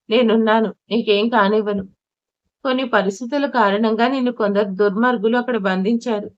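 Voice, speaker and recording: A woman's voice: fairly high pitch, no room sound, lightly acted. A woman reading a tearful, devoted young husband. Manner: earnest, pleading, comforting. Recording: dull lo-fi recording.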